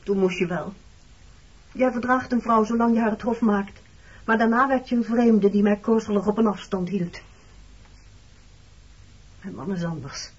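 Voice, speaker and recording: A woman acting in a radio play as a hurt, reproachful married woman facing her former lover, speaking in a measured, intimate, accusing way with a slightly husky voice. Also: mid-range voice, a little mellow, natural voice. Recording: dull lo-fi old radio recording.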